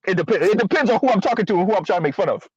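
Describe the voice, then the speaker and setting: Man, podcast host, joking, fairly high voice, dry muffled sound. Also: lively intonation, racing, darkish tone, breathy edge, no echo. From South Florida. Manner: joking, laughs at his own jokes. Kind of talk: casual panel chat.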